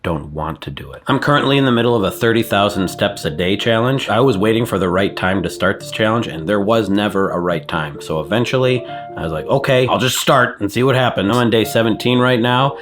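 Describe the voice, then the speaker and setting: Vlogger, forties, man, slightly low voice; voice a bit off from a cold, dry self-mocking delivery. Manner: self-deprecating, frank, joking asides. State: getting over a cold. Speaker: YouTuber. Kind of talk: casual motivational vlog.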